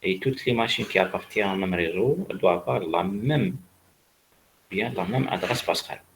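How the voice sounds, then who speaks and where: Deep voiced guy teaching a class, kinda crackly voice, stops and starts, repeats stuff, bit of noise. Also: normal speed. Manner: didactic, repeats key points for emphasis. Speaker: networking lecturer. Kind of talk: spoken university lecture.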